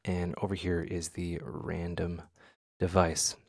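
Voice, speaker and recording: A man talks casually through a software demonstration in a low voice with plenty of vocal fry. He hesitates and thinks aloud as he goes. The sound is dry and close, with very little room. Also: little pitch movement, takes it slowly, no room sound. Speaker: tutorial host. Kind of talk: casual software tutorial talk.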